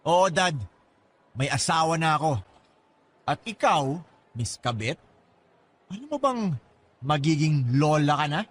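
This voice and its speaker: An actor playing a cocky, bitter twenty-two-year-old son in a radio drama, with a taunting, theatrical manner. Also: male voice, fairly high pitch, lively intonation, unhurried, pauses often, slightly rough. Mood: mocking, angry. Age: young adult. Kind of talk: Tagalog radio drama acting.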